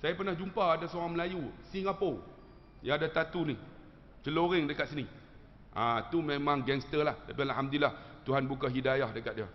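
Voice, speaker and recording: A man preacher with a Malaysian Malay accent telling an animated, humorous story to his congregation. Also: on the high side, a little fast. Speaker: religious teacher. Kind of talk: storytelling sermon. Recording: dull lo-fi sound with long hall reverb.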